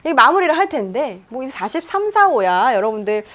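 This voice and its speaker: A woman English teacher walks students through an exam passage, reading English lines slowly before explaining them. Her fairly high voice swoops up and down with animated expression. She sounds like she is lecturing in a studio. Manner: lively, reads English lines slowly then explains in Korean.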